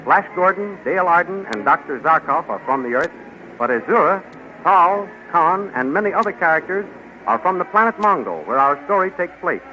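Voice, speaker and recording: A man announcing a radio serial in a crisp, promotional, scripted manner. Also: high-pitched, sharp tone, a little hiss or hum. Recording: muffled 1930s radio recording.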